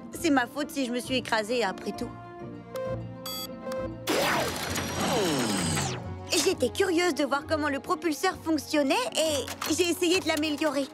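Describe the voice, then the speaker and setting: A young cartoon girl with itchy feet, high-pitched and earnest. She is lively yet unsure of herself, with music clearly playing behind. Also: moderate pace. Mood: breezy, modest. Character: restless young female cartoon traveler, cheerful, self-doubting tinkerer. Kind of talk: French animated series dub.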